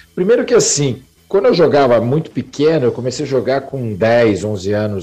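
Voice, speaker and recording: Music plays in the background as a man speaks at a fairly quick pace. His intonation is lively. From São Paulo state interior, Jundiaí. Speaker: former footballer turned sports commentator. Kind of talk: casual interview chat.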